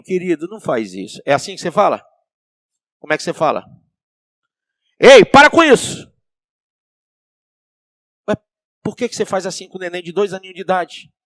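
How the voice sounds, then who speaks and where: A male pastor with a Brazilian accent preaching a sermon, asking the congregation questions and swinging between soft and loud. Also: a little high, dry recording, studio quality. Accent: Brazilian Portuguese.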